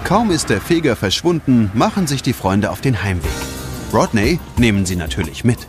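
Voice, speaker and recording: A male narrator reads a scripted children's audio drama with expressive storytelling at a normal speed, his pitch lively and moving. Clear music plays behind his voice.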